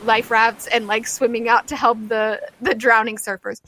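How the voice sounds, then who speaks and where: A woman's voice: fairly high pitch, flat delivery, moderate pace, heavy background noise. A woman game master narrating a tabletop adventure in casual, descriptive storytelling style, with music behind.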